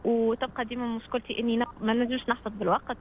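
A woman of nineteen with a Tunisian accent, an amateur voice actor, is a guest on a radio phone-in. Her fairly high voice comes out rapid-fire with a flat delivery, while she sounds casual and hesitant, groping for words. The call has a dull line with noise.

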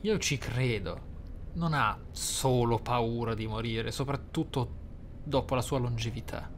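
A man's voice: medium pitch, measured pace, slight background noise. A man with an Italian accent hosting a casual gaming let's play. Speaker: gaming channel host.

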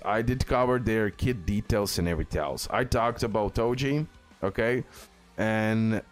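A man with a fairly low voice hosts a casual gaming guide. He talks in repetitive, emphatic phrases, with faint music playing underneath. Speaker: gaming video host. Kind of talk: casual game guide commentary. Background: background music.

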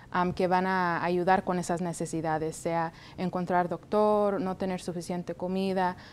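A young woman from the United States, a health department guest in a studio interview, speaking in a measured way with many hesitation fillers, on a lapel mic. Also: on the low side, darkish tone, slight background noise. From United States (Texas, raised in Florida). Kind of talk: interview answers. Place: TV studio set.

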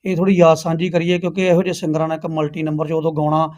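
A man's voice: fairly high pitch, monotone, rapid-fire, a little mellow. A man interviewing a guest for a news channel, asking long, probing questions.

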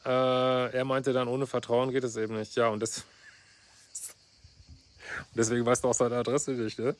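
In a mid-range, level voice at a moderate pace, a middle-aged man who works as a couples therapist reacts to a viewer's letter he reads out. His casual vlog commentary is blunt and sarcastic, full of fillers and "ne?" tags.

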